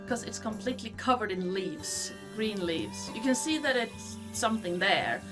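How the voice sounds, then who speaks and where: A woman's voice: medium pitch, lively intonation, moderate pace, music in the background. A woman narrating as game master in a tabletop game, speaking hesitantly with many fillers.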